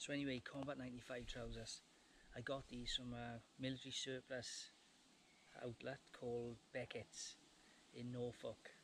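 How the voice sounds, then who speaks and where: Monotone, flat intonation at a moderate pace, broken by long, frequent pauses. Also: man, medium pitch for a man. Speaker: outdoor vlogger. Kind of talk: casual vlog talk to camera. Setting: outdoors in woods. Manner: quiet, lowered voice; hesitant with many fillers.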